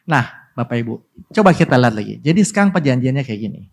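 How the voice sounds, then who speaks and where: A man's voice: mid-range voice, fast talker, gravelly. Casual conversational pastor, man. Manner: casual, conversational preaching with lively dialogue asides. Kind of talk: sermon.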